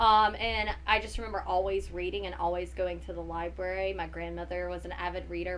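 A woman with an American accent talks at a fairly quick pace over noticeable background noise. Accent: Carolinian Southern US, heavier with family. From North Carolina. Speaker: blogger and board game enthusiast. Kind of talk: casual chat.

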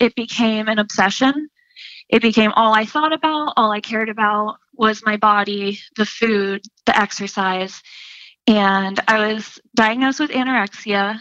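Over a quiet background, a woman speaks at a fairly slow pace in a bright, sharp tone. Her pitch is fairly high and her intonation fairly even. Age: 20s. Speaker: psychology student, former peer educator. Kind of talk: interview about personal recovery.

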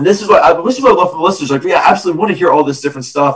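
This man speaks with a Philadelphia accent. His pitch swings very widely. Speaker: sports talk show host. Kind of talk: casual sports talk banter.

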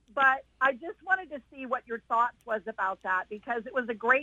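A woman with a normal speaking voice, ordinary pitch variation and a moderate pace. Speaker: caller. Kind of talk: call-in conversation.

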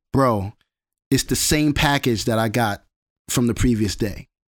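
A man's medium-pitched voice in a New York accent, with ordinary pitch variation, a moderate pace, and a dry, close sound with no echo. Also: long, frequent pauses, very even loudness. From New York, Bronx. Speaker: videographer and media correspondent. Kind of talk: casual interview. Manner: casual slangy, uses filler phrases.

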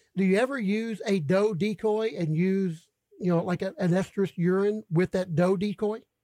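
An American-accented man talks at a high pitch with ordinary pitch variation. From southern Missouri. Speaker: radio host. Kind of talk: casual interview chat. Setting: studio.

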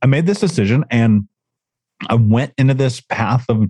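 A man speaks at a moderate pace in a Midwestern American accent with ordinary pitch variation. The sound is dry and close with no echo, against a quiet background. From US Midwest (Indianapolis). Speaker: motivational speaker and coach for trauma survivors. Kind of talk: interview, personal testimony.

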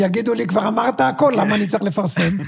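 Over noticeable background noise, a man talks with a high pitch and lively intonation at a fairly quick pace. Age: 80s+. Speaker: military historian and author. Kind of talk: interview.

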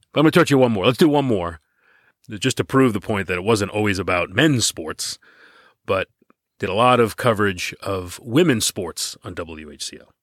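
In a Long Island accent, a man with a fairly low pitch talks at a moderate pace with lively intonation and big swings in loudness, captured in a dry, close, very clean recording with a silent background. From Long Island, New York. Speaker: podcast host, former college radio sportscaster. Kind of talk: casual podcast narration.

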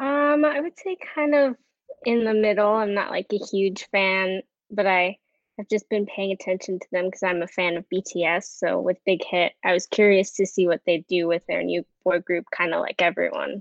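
Speaking at a moderate pace with an American accent, a woman uses an unremarkable speaking voice at a medium pitch. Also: ordinary pitch variation. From Austin, Texas.

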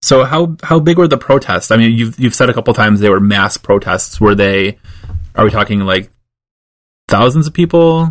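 A man with a normal speaking voice talks at a moderate pace and medium pitch, with lively intonation and very even loudness. The recording is very clean, with a silent background. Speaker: podcast host, academic. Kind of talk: casual interview. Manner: friendly, laughs often.

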